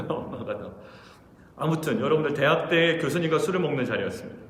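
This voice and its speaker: A man's voice: a little high, animated, brisk, a bit bright. A middle-aged man preaching an early-morning sermon as pastor, telling stories and acting out the voices of the people in them. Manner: storytelling, acting out quoted voices. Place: church sanctuary. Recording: echoey church hall with faint noise.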